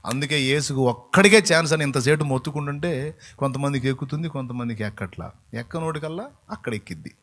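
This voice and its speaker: A man's voice: mid-range voice, fast talker, a bit bright. A male pastor, preaching a sermon in a colloquial, emphatic way and acting out bits of dialogue.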